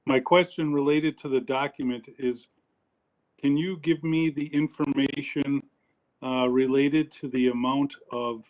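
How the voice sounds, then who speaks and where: A man's voice: mid-range voice, darkish tone. Man on a choppy, glitchy internet call. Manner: apologetic and hesitant, with many fillers. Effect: choppy call audio breaking up and cutting in and out. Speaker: county supervisor. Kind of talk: remote board meeting remarks. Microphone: remote video call. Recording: dull lo-fi internet call line.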